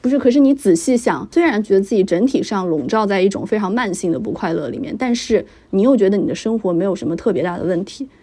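Quick, mellow-voiced woman co-host. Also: mid-range voice, expressive. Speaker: podcast co-host, news journalist. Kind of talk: casual podcast chat.

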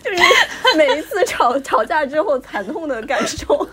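Woman co-host, slightly high voice, wry and explanatory. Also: lively intonation, moderate pace, a bit bright. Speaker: podcast co-host. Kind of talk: casual chat.

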